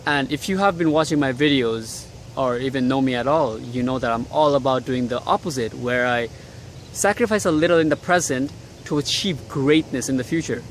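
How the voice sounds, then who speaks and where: A man's voice: mid-range voice, normal speed, a little hiss or hum. A young man from Bangladesh vlogging outdoors on a cold day, talking bluntly and swearing freely as he gives motivational advice. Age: young adult. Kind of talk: casual motivational vlog. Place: outdoors in cold city air.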